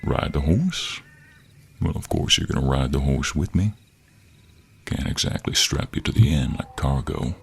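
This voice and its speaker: A man playing a gruff, teasing cowboy monster hunter with a gentlemanly streak in an intimate audio roleplay, drawling in a deep, gravelly, husky American cowboy accent. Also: lively intonation, measured pace, exaggerated voice. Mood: flirtatious, teasing.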